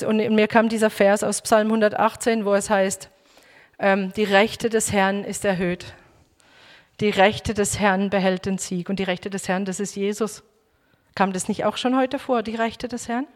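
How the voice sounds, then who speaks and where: A woman preacher giving a personal testimony sermon, emotional and halting, with frequent restarts. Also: fairly high pitch. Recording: echoey hall reverb.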